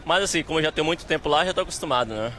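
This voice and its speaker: A man from Salvador, chatting relaxed and easily laughing in a street interview. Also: on the high side, very fast. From Salvador, Brazil. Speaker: passer-by interviewee. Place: outdoors on a busy city street. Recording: faint street noise.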